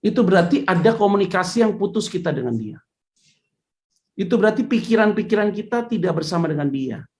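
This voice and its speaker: A woman's voice: medium pitch, expressive, brisk, a little mellow. A woman pastor, preaching a casual sermon in a chatty way, with joking asides.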